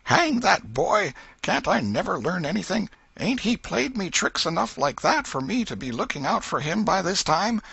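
Guy doing a fussing old auntie, drawl, highish, raspy, all over the place. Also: bright, forceful tone, no echo, highs cut off, exaggerated voice. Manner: scolding, exclaiming, folksy dialect. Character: fussy, soft-hearted old aunt, scolding.

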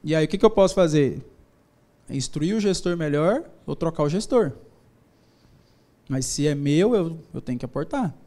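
Man, high voice, mellow tone, joking informal stage talk, slang, faith and business. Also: animated, moderate pace, pauses often. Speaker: business speaker. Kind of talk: live motivational talk. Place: event stage before an audience.

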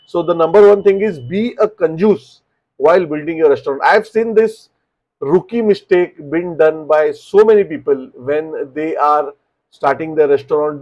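A man in his thirties with an Indian English accent, giving business advice straight to camera in a small home office, animated and repeating words as he explains. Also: a little high, lo-fi sound. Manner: animated, gestures with both hands, repeats words while explaining. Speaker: restaurant business coach. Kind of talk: direct-to-camera advice talk.

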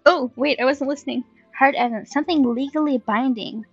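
A woman's voice: high-pitched, brisk, slightly rough, no room sound, muffled recording, faint music behind. A young woman doing casual, playful let's play commentary with a friend, giggly in manner.

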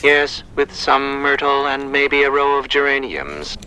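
A man's voice: mid-range voice, big pitch swings, unhurried, very noisy. A man voicing a polite, obliging, literal-minded gardening robot in a comic video game. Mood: eager, servile. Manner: obliging, formal.

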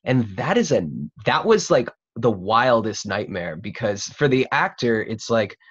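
A man in his twenties hosting a casual chat over a video call, animated and informal. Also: medium pitch, unhurried, slightly rough, no echo. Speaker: host. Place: room at home, video call. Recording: dull, dry video-call audio.

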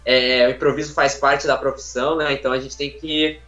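A man's voice: mid-range voice, flat delivery, brisk, a bit bright. A man in his twenties with a Brazilian accent, chatting casually and slangily as a guest on a video call. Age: 20s. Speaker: interview guest, aspiring voice actor. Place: plain room at home. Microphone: video call, some distance from device. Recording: dull, echoey video call.

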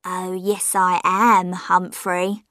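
A woman's voice: lowish voice, level tone, drawn-out words, fairly bright tone, no echo, studio quality, pitched below the performer's own voice. A woman voicing an old woman with a painted face who taunts and wheedles her grown son in a storybook reading. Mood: wheedling. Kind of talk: audiobook character voice.

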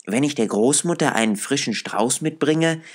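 A sweet, trusting little fairy-tale girl, as a man puts her on. The voice is pitched up, innocent and eager. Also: lively intonation, moderate pace, lightly acted.

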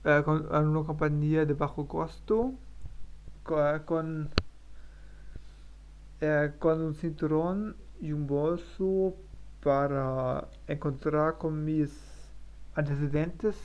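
A man's voice: fairly high pitch, little pitch movement, slow pace, long pauses, muffled recording. A man who is learning Spanish, stumbling through his daily practice stream with many fillers, restarts and self-corrections. Spanish is not his first language. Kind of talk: halting live-stream practice talk.

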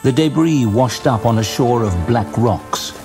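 A man narrating a scripted fantasy story dramatically, in a measured, suspenseful manner. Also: medium pitch, gravelly. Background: music.

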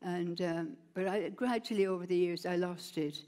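A woman's voice: lowish voice, normal speed, dark tone. Older lady on stage with a headset mic, chatty and rambling, keeps saying you know. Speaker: interview guest. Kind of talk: onstage conversation, personal story. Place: stage at a large gala, indoors.

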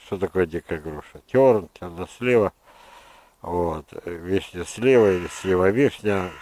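An older man with a deep voice talks like a seasoned gardener explaining his orchard. He speaks without a script, halting and digressing as he gives firm opinions. The sound is dry and open, recorded outdoors. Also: darkish tone, dry recording. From Russia. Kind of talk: unscripted instructional monologue.

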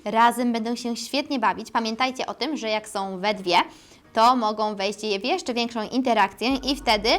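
A woman's voice: fairly high pitch, normal speed. A woman with a Polish accent demonstrating a toy puppy for children, coaxing it sweetly and giving it commands.

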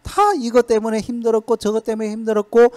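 A man giving a motivational sales lecture in a lecture hall, lively and constantly asking the audience rhetorical questions. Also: extremely high pitch, quick pace. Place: lecture hall at a training center.

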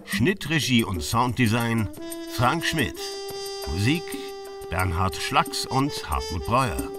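A man reading the closing credits of a radio play in a measured way. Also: medium pitch, very animated. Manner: measured, announcing. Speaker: credits announcer. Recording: music playing underneath.

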